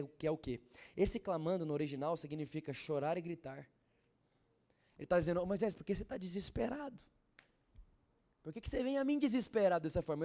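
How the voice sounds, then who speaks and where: A man preaching a sermon at a church service, swinging from loud fervent exhortation to hushed storytelling and asking the congregation questions. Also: fairly high pitch. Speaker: pastor.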